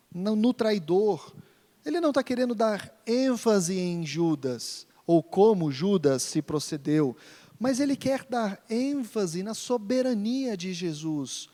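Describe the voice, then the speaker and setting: A man's voice: high-pitched, darkish tone. A man from Brazil preaching an expository sermon in a church hall, emphatic and repeating phrases for stress. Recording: long church reverb.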